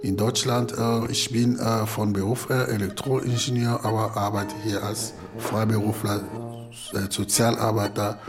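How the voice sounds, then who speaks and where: A man of about fifty with a Congolese accent, speaking spontaneously and haltingly with deliberate pauses. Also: fairly low pitch, level tone, over music. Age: around 50. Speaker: interviewee, social worker. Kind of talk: spontaneous account in non-native speech.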